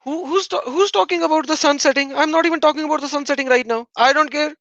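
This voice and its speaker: A man's voice: very high-pitched, fast, a bit bright, no room sound, dull audio. A man whose native language is Urdu, hosting a heated livestream debate and reading out viewer donations, combative and insistently repeating his point.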